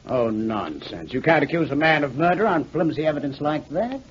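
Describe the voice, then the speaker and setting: A man's voice: on the high side, sing-song, normal speed, slightly rough. A man acting a composed doctor who turns out a villain, indignant in denial, in a 1940s radio drama. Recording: dull, hissy 1940s radio recording.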